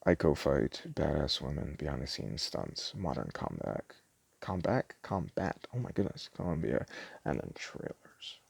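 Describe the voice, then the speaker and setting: A man doing a casual, rambling ASMR roleplay, talking hesitantly and stumbling as he reads things out, in a very deep, gravelly voice. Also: big pitch swings, a little slow, darkish tone, slight background noise. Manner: casual, hesitant, stumbles over words and self-corrects. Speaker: ASMR roleplay performer playing a DVD store clerk.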